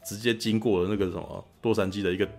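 A man with a Taiwanese Mandarin accent talks quickly in a low-pitched voice while hosting a casual podcast. He retells a film scene in an animated way and keeps tossing in "you know?". Faint music plays underneath. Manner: animated retelling, frequent "you know?" tag, laughs often. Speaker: podcast host. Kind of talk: casual film-review chat.

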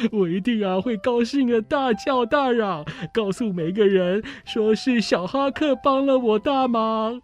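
A man playing a cheerful, warm-hearted older runaway in a children's storybook reading, who laughs often and talks eagerly. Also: a little high, measured pace, natural voice. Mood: tender.

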